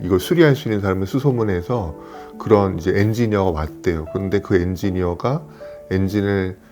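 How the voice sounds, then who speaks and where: Man in his fifties, low voice, earnest storyteller, faint music behind. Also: darkish tone. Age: 50s. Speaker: plastic surgeon. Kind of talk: casual conversational talk.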